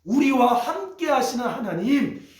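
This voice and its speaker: A male pastor preaching a sermon in a church, leading call-and-response with the congregation and teaching in a lively, teasing way. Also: very high voice, a little slow. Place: church sanctuary. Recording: echoey church hall.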